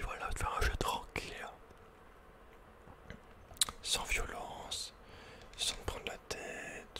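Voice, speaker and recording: Whispering breathily and never voicing a word, a man offers offhand, slang-heavy commentary on his video game, muttering to himself often. He stays close to the mic in ASMR style.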